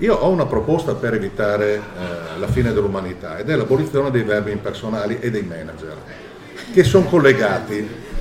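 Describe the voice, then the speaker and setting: A man speaks at a very fast pace with lively intonation over noticeable background noise. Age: 60s. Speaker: novelist. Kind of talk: live panel discussion. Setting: stage with audience.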